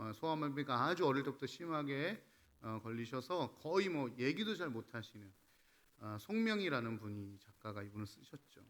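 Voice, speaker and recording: A man's voice: medium pitch, fairly bright tone. A man, a pastor, preaching a sermon in a conversational style that rises to emphatic exhortation.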